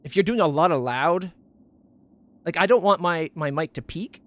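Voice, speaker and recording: A man with a fairly high voice for a guy, admitting it isn't naturally deep. He chats loosely from his home stream setup, circling back and correcting himself as he goes, close on a studio mic. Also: lively intonation, moderate pace. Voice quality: not very deep voice. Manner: rambling, self-correcting, stumbles over names. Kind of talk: casual chat about gear on a game stream. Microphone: studio condenser mic up close.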